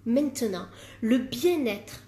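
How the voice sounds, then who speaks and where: A woman's voice: fairly high pitch, expressive, slow, mellow, slight background noise. A woman life coach giving a live-streamed coaching talk, emphatic, repeating words for stress and joking at herself.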